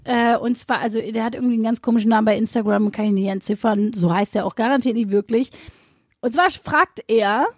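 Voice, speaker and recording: A woman co-hosting a podcast, chatting casually with quick, dry, self-mocking quips. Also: fairly high pitch, no echo. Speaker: podcast co-host. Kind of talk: casual chat.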